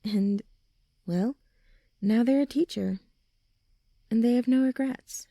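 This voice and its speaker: A young woman playing a supportive teenage girl in an ASMR roleplay, talking gently and informally as a caring best friend. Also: a little high, takes it slowly, creaky, no room sound, studio quality, heavily acted. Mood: reassuring. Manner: gentle, reassuring, informal, often sighing or softly laughing. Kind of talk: ASMR roleplay audio drama.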